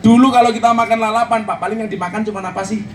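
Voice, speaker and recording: A man's voice: high-pitched, rapid-fire. A man preaching a humorous sermon to a crowd, joking and imitating regional dialects. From Indonesia. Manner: jokey, animated, mimics regional dialects, frequent shouts. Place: outdoor religious gathering. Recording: roomy, distant, with crowd and noise. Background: audience murmur and ambience.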